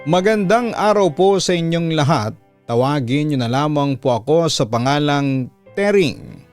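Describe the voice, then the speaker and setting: A man's voice: fairly high pitch, lively intonation, unhurried, darkish tone, faint music behind. A man with a Filipino accent reading a listener's letter aloud as a storytelling host, in first-person dramatic narration.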